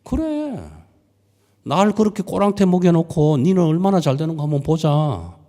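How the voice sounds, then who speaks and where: Sulking prophet, adult man, whiny and self-pitying, pitched up high , put on by a male preacher. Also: very animated, normal speed, a little mellow. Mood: sulky grudge. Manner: whiny, complaining, raised pitch.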